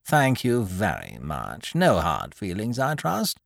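A man reading aloud and voicing a stern, whiskered older male landlord, who speaks low, slow and guarded. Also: wildly swooping pitch, vocal fry, dry recording, studio quality, exaggerated voice. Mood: ingratiating.

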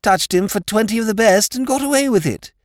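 A reader voicing a bumbling young aristocrat who talks in clipped, slow, telegraphic phrases. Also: medium pitch, expressive, no room sound, clean studio sound, pitched above the performer's own voice, close to an everyday voice. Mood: blustering. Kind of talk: audiobook character voice.

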